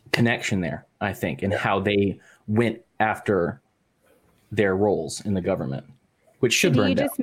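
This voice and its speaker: Speaking fairly slowly with long, frequent pauses, a man uses a fairly low pitch with vocal fry and ordinary pitch variation. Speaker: podcast host. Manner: conversational, casual.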